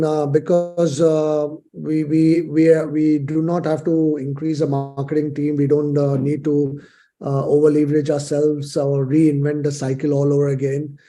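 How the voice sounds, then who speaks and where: A male company executive fielding investor questions. His voice is very soft-edged and dark, fairly high yet even in pitch, and he phrases things haltingly and carefully. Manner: halting, hesitant, measured phrasing. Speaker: company executive answering analysts. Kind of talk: earnings call answers.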